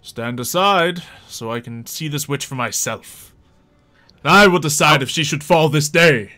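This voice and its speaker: Man playing a pompous, forceful knight. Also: fairly high pitch, unhurried, soft background music. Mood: commanding. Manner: pompous, archaic formal phrasing. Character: haughty, pompous knight, a witch-hunting crown loyalist.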